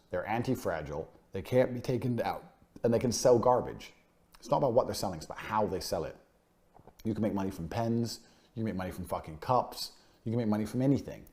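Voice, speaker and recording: Lowish-voiced guy lecturing about selling, cocky, swears a lot, repeats his points hard. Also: a little mellow. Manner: blunt, boastful, swears freely; punchy, emphatic repetition. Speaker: business course speaker. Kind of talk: motivational business lecture.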